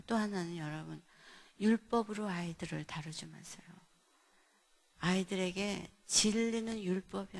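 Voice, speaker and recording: Gravelly-voiced woman preaching at a family revival. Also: mid-range voice. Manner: animated storyteller, acts out dialogue with big swings in loudness. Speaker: pastor and seminar speaker. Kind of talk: sermon with storytelling. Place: church hall at an evening revival meeting.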